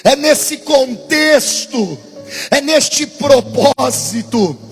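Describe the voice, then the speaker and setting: A man with a Brazilian Portuguese accent preaching a Pentecostal sermon in a large church, shouting in a sing-song cadence and calling for responses from the crowd. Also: very high voice, lively intonation, very slow, big-room sound, faint music behind.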